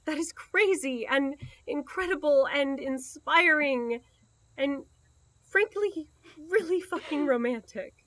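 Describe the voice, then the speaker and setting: A fairly high female voice from an actress plays a devoted woman in love. She takes her words very slowly, earnest and reassuring, in an intimate radio-play style. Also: fairly bright tone, dry recording, poor audio. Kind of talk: intimate audio drama acting.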